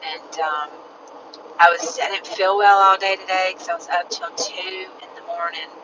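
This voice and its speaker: A woman's voice: on the low side, steady tone, normal speed. A middle-aged woman chatting casually while driving in a car. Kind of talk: casual chat. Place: inside a moving car. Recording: distant, muffled, loud car road noise. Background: car and road noise.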